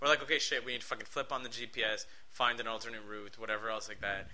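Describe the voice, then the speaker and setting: A man's voice: fairly low pitch, steady tone, fast, bright, forceful tone. A man hosting a podcast, telling a story in casual chat, laughing and swearing a lot. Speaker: podcast host.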